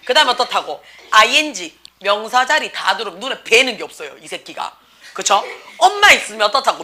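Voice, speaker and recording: Woman, 40s, Gyeongsang Korean accent, English academy teacher; higher, bright and very animated delivery, chatty and teasing, keeps checking in with the class. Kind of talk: classroom lecture.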